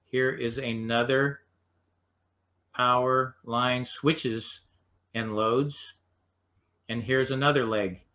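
A man with an American accent lecturing unscripted as a technical instructor, explaining step by step in halting phrases. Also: mid-range voice, fairly even intonation, sharp tone. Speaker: HVAC instructor.

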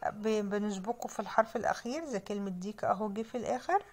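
A young woman with an Egyptian accent teaching children to read, sounding out letters and words slowly and patiently. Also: medium pitch, a little mellow. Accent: Egyptian Arabic. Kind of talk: children's reading lesson.

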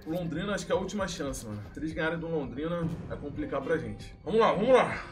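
A man's voice: on the high side, lively intonation, fast talker, faint music behind. A young man with a Brazilian accent, a gaming streamer giving casual, slangy, sweary gameplay commentary with lots of animation. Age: young adult. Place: bedroom gaming setup.

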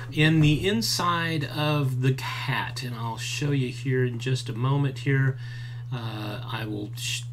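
A man in his fifties walks through a craft tutorial at an unhurried pace, talking casually with frequent fillers. His voice sits at an ordinary pitch. A faint hum runs underneath the recording. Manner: relaxed and chatty, many fillers. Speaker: maker teaching a craft. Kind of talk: hands-on tutorial. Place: indoors at a workbench, later outdoors by a farm fence.

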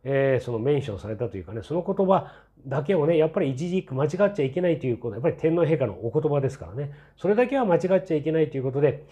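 Chatty man in his sixties, lively pitch. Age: 60s. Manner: chatty and rambling, many fillers and tag asides; skeptical, mildly mocking. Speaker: channel host. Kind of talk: casual opinion commentary.

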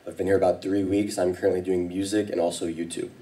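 Hoarse, deep-voiced young man with a cold. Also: little pitch movement, fast, dark tone, far from the mic. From Alabama, US. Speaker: guest. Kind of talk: casual chat on a radio panel. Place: radio studio stage with audience. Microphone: handheld mic.

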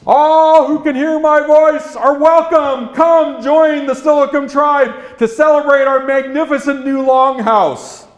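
A proud tribal leader hosting a great feast acted out by a male storyteller. He speaks in a raised, high voice with loud, declarative delivery, and is easily exasperated. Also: takes it slowly, echoey room. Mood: proud, welcoming. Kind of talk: oral storytelling character.

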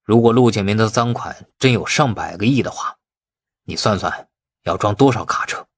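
A man's voice: on the low side, normal speed, husky, dry recording, clean studio sound. A man voicing an irascible, calculating police chief in an audiobook, blustering and commanding. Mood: urgent, calculating.

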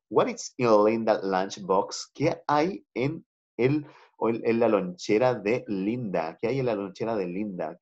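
A Chilean man with a mid-range, slightly rough voice teaches English over a video call. He's patient, moving between Spanish and English and repeating phrases for his online class. His computer mic gives the audio a dull, lo-fi video call quality.

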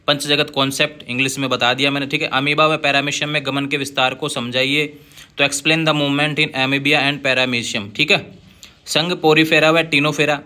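A man tutoring students through exam guess questions in a casual lesson, reading each question aloud and dropping in friendly asides, with English terms spelled out slowly. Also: medium pitch, sharp tone. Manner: reads questions aloud, adds "है ना" and "भैया" asides. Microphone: voice-over on screen recording.

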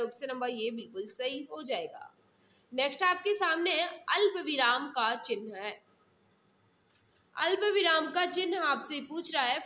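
High-pitched and sharp, a woman's voice leads a live online mock-test class for exam prep. She reads each question aloud, explains the answer, and says key phrases again for her viewers.

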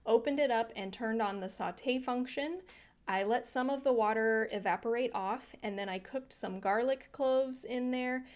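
A woman hosting a home cooking channel, narrating her meals in a friendly, chatty voice-over that explains each step. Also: on the high side. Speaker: vegan cooking channel host.

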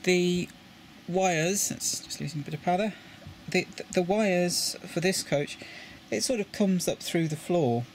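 This British man, speaking British English, talks through his coach lighting work on a model railway at an indoor table, repeating words as he works with the parts in a casual tutorial. His high-pitched voice is unhurried with few pauses, over slight background noise.

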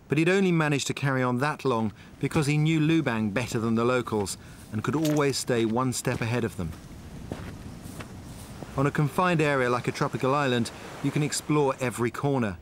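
Calm man explaining survival skills. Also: mid-range voice, a little hiss or hum. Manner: calm, explanatory, tells and shows step by step. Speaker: survival expert and presenter. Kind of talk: documentary narration and on-location demonstration. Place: outdoors on a tropical island.

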